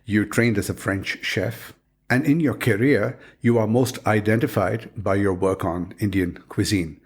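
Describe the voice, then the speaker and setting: A man with a low, husky voice hosts a literary interview. He asks measured, wry questions and makes smooth introductions in an unhurried tone. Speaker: interview host.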